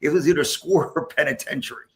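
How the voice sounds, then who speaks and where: A man's voice: fairly high pitch, fast. A man, hosting a podcast in a casual, rambling chat full of restarts and chuckles. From United States, Levittown area. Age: 60s. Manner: rambling, friendly, many restarts, chuckles often. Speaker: podcast host.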